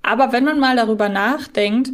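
A woman's voice: on the high side, fairly quick. A woman co-hosting a fan podcast, explaining details analytically in a conversational way. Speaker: podcast co-host.

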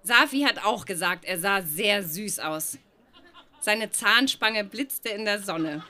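A woman's voice: medium pitch, lively intonation, slow, sharp tone. A woman reading her childhood diary aloud at a live show, often laughing through the text.

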